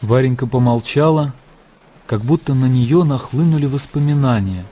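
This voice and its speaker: A man reading the narration of a classic radio play in a measured, even manner. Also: medium pitch. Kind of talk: scripted literary narration.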